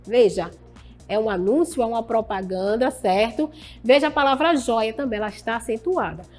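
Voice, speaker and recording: High-voiced Brazilian teacher, patient and encouraging. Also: female voice, normal speed, a little mellow, faint music behind. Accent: Brazilian Portuguese. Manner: patient, asks the class questions and praises answers. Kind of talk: recorded online Portuguese lesson.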